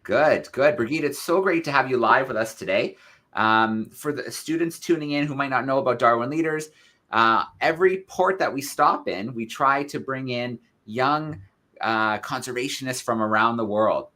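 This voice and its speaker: Male event host, bright upbeat delivery, chatty intros. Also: mid-range voice, normal speed. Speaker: host of live classroom events. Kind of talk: live video call interview.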